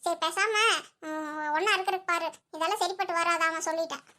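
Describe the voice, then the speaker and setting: Brief: a performer playing a nosy, preachy village woman for a cartoon, quick delivery. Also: very high voice, steady tone, pushed and bright. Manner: prying, lecturing. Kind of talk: cartoon voice acting.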